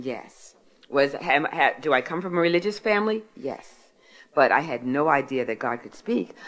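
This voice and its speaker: A woman in her sixties from Philadelphia, sharing a faith testimony with an audience, telling stories and asking and answering her own questions. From Philadelphia, United States. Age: 60s. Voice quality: deep voice. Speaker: author and speaker.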